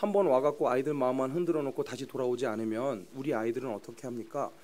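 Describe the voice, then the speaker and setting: Words come at a very fast pace. The tone is dark and mellow, with ordinary pitch variation. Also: man. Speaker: pastor. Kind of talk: sermon.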